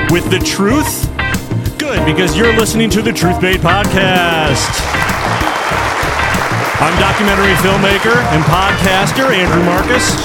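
A man hosting a podcast, casual banter, teasing his co-host and laughing often. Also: sits high.

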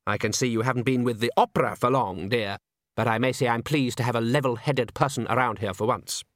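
A man voicing a dry, sardonic music director in a story, brisk and authoritative with a sarcastic edge. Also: medium pitch, fairly bright tone, no room sound, close to an everyday voice.

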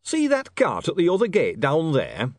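A man doing a gruff, drawling, shrewd rough-edged boss. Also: mid-range voice, big pitch swings, normal speed, no echo, studio quality, close to an everyday voice. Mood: mock astonishment. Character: gruff, shrewd, rough-spoken self-made older male businessman.

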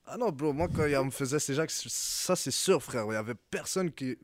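A man's voice: fairly high pitch, animated, a little fast, dry recording. A man guest talking casually in streetwise slang, tagging his sentences with bro and frère. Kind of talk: casual interview chat.

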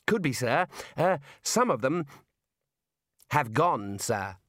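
A man's voice: mid-range voice, big pitch swings, slow, fairly bright tone, dry recording, studio quality, heavily acted. A man voicing an anxious, deferential young wizard, hesitant and polite, in a fantasy storybook reading. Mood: uneasy.

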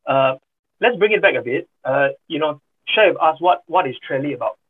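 A man hosting a business podcast, speaking haltingly with many "uh" and "you know". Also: fairly high pitch, expressive, slightly rough. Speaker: podcast host. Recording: phone-like line with faint music.

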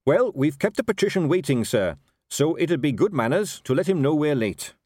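A man's voice: on the high side, sing-song, normal speed, a little mellow, dry recording, studio quality, pitched above the performer's own voice. A man voicing an earnest, polite and honest young watch captain in a story, respectful, firm and a little wooden. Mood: dutiful.

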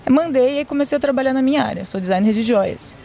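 A woman's voice: high voice, fast, vocal fry, dark tone. A woman from Florianópolis, a podcast guest telling her story frankly, with slang and swearing. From Florianópolis, Brazil. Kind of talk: casual storytelling. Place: outdoors near a beach.

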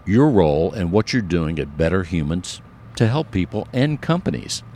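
A man's voice: low-pitched, sing-song, moderate pace, mellow, a little hiss or hum. A man hosting an interview show, chatty and enthusiastic, rambling a bit as he introduces his guest. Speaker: show host. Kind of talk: casual interview talk.

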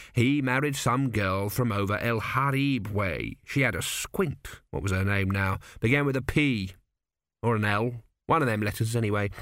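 A man's voice: medium pitch, fairly bright tone, dry recording, studio quality. A man voicing a forgetful old male storyteller who rambles, loses track and corrects himself. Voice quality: muddled, meandering, losing the thread.

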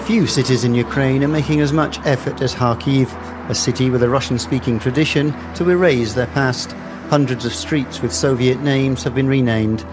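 A man narrating a broadcast news report in a brisk, formal way. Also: medium pitch, music in the background.

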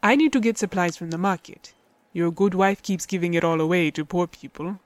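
A woman's voice: fairly low pitch, fairly quick, a little hiss or hum, lightly acted. A woman playing a feisty, exasperated older motherly figure in an audio story, blunt and indignant. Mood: dry, demanding.

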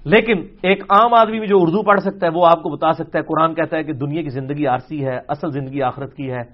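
A high-pitched man gives a lecture-style Q&A as a religious scholar. He is sarcastic and animated, and he acts out the opponents he quotes. The recording is dull and lo-fi. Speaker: religious scholar answering audience questions.

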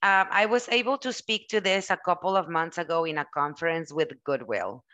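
Low-voiced Mexican-accented woman. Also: a little fast, sharp tone, dry recording. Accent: Mexican Spanish. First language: Spanish. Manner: earnest, explanatory, lists examples. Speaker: guest HR professional and recruiter. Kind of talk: conversational interview answers.

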